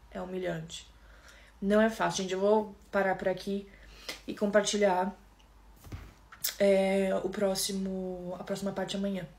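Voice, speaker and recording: A woman from Brazil with a Brazilian Portuguese accent tells her own story to camera. She speaks softly and haltingly, often restarting and turning to her listeners. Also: mid-range voice.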